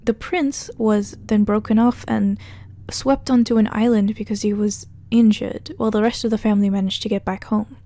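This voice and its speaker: A woman's voice: medium pitch, fairly even intonation, normal speed, warm tone. A woman narrating a casual recap and commentary as a video essay host, conversational with wry, sardonic asides.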